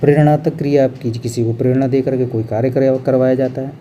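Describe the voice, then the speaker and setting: A man teaching an exam revision lesson on Hindi grammar, explaining step by step and slowing down to show how words are pronounced. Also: mid-range voice, level tone, warm tone, a little hiss or hum. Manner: explains step by step, often adds "bhai" and "hai na"; drawn-out, slow when showing pronunciation.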